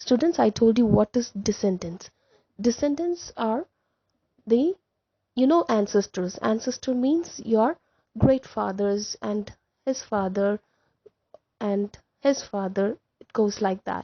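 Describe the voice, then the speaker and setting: A woman's fairly high voice in a Tamil Indian accent, at a very slow pace with long, frequent pauses and lively intonation. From India, Chennai, Tamil Nadu. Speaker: school English teacher. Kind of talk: lesson, reading aloud and explaining a story.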